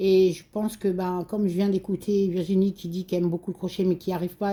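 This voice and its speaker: At a moderate pace, a woman speaks in a dark, mellow, somewhat breathy voice of medium pitch. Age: 60s. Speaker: cross-stitch and crochet vlogger, lab technician. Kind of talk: casual vlog, tag video self-introduction. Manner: hesitant, many fillers; talkative.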